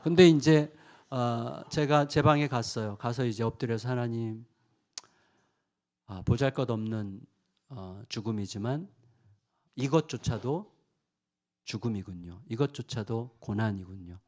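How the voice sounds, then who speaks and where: A middle-aged man preaching at a revival service, telling a personal story that swings between loud urgency and hushed confession. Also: medium pitch, measured pace, long pauses. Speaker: pastor.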